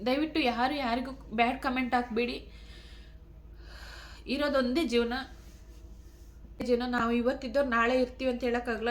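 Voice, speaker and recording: A woman speaking in an emotional tribute vlog, tearful and pleading, repeating herself. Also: a little high. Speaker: vlogger.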